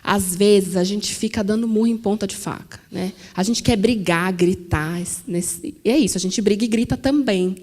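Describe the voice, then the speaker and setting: A woman, speaking on a panel in a relaxed, conversational way, often adding tag questions and acting out quotes. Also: mid-range voice, normal speed, few pauses. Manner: conversational, frequent tag questions, animated quoting. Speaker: panelist at a teachers' talk. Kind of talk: public talk answering questions. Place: museum auditorium.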